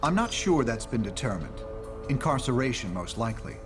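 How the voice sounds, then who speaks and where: A man's voice: medium pitch, very animated, a little fast, lightly acted. A man voicing a pragmatic superhero leader in a game cutscene, controlled, matter-of-fact and official. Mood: measured. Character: measured, pragmatic genius male superhero leader. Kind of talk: video game cutscene dialogue. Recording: music behind the voice.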